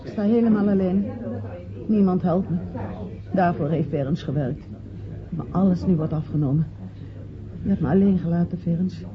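An actress playing an anxious, sentimental widow in a Dutch radio drama, speaking emotionally and halting when flustered. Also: female voice, on the low side, lightly acted. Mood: forlorn, bitter. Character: anxious, sentimental playwright's widow haggling over royalties. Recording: muffled radio play recording, crowd murmur.

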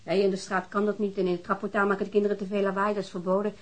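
A woman plays a worn-down young mother in a radio drama, wary of questions. Her mid-pitched voice is plaintive and tired. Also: flat delivery, very fast, close to an everyday voice. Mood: weary, plaintive. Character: weary, guarded working-class mother, separated, struggling.

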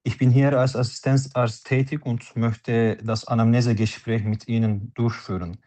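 A man's voice: mid-range voice, little pitch movement, normal speed, warm tone. A man as a doctor taking a patient's history in a practice interview, speaking formally and politely. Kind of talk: role-played doctor-patient practice talk.

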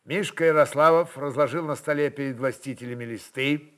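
A man narrating a literary story dramatically, with measured, expressive delivery. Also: mid-range voice.

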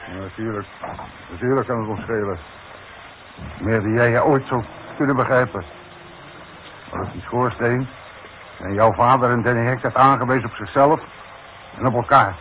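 Actor as firm, insistent foreman, mid-pitched male voice. Vintage Dutch radio drama, muffled tape. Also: moderate pace, long pauses, lightly acted. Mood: stern, earnest. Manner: insistent, blunt. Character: stubborn, firm foreman defending his decision. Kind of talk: 1960s Dutch radio play acting. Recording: muffled, hissy 1960s radio recording.

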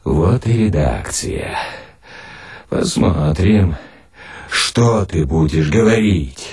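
A man narrating a story theatrically in the first person, expressive, with deliberate pauses. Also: a bass voice, slightly rough, dry recording, studio quality. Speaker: narrator and actor.

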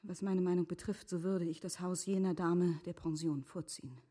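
An actress playing an earnest, resolute middle-aged wife in a literary radio drama, with measured, formal phrasing. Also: female voice, fairly low pitch, steady tone, close to an everyday voice. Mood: calm, deliberate. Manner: measured, formal phrasing, often hushed and breathy.

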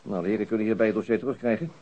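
An actor playing a weary, unflappable police detective in a radio crime drama, with a dry, laconic manner. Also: male voice, fairly low pitch, very fast, highs cut off, background noise, close to an everyday voice. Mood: dry, composed.

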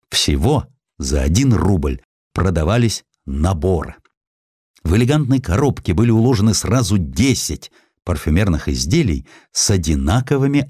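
Guy reading a history story, low voice that swoops around a lot, dry close mic. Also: slightly rough, no echo. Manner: expressive storytelling, voices quotes with shifts of pitch and slowing down. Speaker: narrator. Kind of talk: audiobook narration of a historical sketch.

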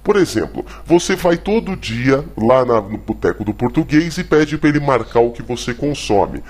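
A man with a Brazilian accent hosting a comedy call-in lesson as a mock teacher, halting and stammering over his explanations. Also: mid-range voice, lively intonation, darkish tone. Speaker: host playing a mock English teacher.

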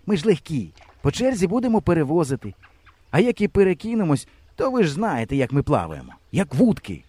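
A man reading a storybook, voicing an eager, quick young village boy. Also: a little high, wildly swooping pitch, dark tone, no echo, voice pushed up.

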